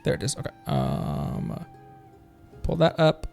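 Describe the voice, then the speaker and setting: A male streamer rambles through casual live reactions, halting often and taking his time. His pitch swings widely as he gets excited, with game music playing behind him. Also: creaky. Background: game trailer music.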